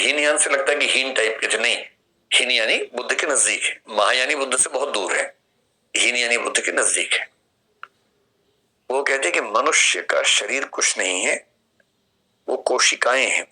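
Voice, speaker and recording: Man, fifties, indian accent, very bright and sharp voice, lecturing a class, asks questions and gives examples. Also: mid-range voice, rough recording. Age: 50s. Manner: explains with questions and vivid examples. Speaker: philosophy teacher.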